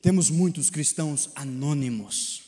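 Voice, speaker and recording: A man with a Brazilian Portuguese accent preaching a sermon in a church, swinging between shouted climaxes and low, hushed passages in a repetitive preaching cadence. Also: measured pace, big-room sound. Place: church sanctuary.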